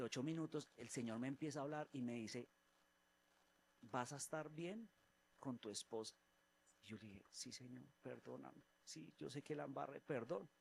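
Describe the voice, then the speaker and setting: A man giving a spoken testimony in a church service, telling his story in an animated way, acting out voices and often restarting his phrases. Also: medium pitch, a little hiss or hum.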